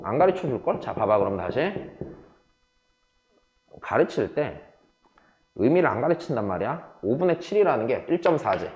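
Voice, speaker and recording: A man's voice: medium pitch, big pitch swings, moderate pace, long pauses, a little mellow, echoey room, lo-fi sound. A man teaching a math class, switching between casual and polite speech and often checking whether students follow. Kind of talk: classroom lecture.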